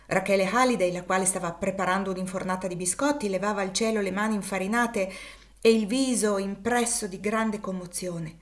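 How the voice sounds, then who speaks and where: Woman, audiobook narrator, measured, literary. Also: medium pitch, fairly even intonation. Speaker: audiobook reader. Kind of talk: audiobook narration of a classic novel.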